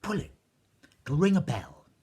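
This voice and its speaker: A man's voice: a little high, sing-song, unhurried, mellow, husky, pitched above the performer's own voice, heavily acted. A man voicing a clever, bossy talking cat in a firm, emphatic voice.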